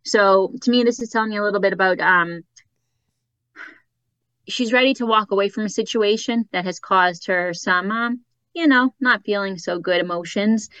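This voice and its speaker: A woman's voice: medium pitch, normal speed, a bit bright, dry recording. A woman with a Boston accent, a psychic guest chatting casually about her offerings and readings. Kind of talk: casual chat.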